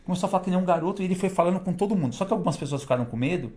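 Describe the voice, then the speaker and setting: Guy telling a story real quick, animated, laughs a lot, kinda high voice. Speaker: guest. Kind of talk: casual storytelling.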